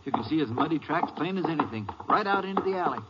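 An actor playing a practical, plain-spoken country sheriff in a 1950s western radio drama, with homespun American talk. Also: male voice, on the high side, lively intonation, fast, lightly acted. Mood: practical, alert. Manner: homespun, chatty speech. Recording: dull, noisy old radio recording.

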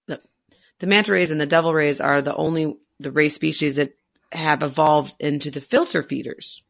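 A woman's voice: deep voice, fairly even intonation, normal speed, gravelly. A woman co-hosting a podcast, chatting about science in an informal, buddy-like way. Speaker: podcast co-host, former researcher. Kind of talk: casual science chat.

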